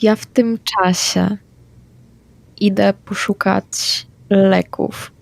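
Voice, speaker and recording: A woman playing a tabletop game, speaking her character's lines in a brisk, matter-of-fact way. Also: medium pitch, fairly even intonation, gravelly, no room sound. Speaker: player.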